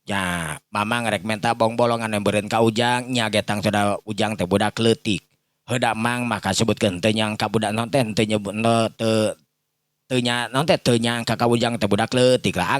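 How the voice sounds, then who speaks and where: A man voicing a respectful village uncle in a folk story, halting and repetitive as he pleads deferentially, with a Sundanese accent. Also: lowish voice, dry recording, clean studio sound, lightly acted. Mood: pleading, bewildered.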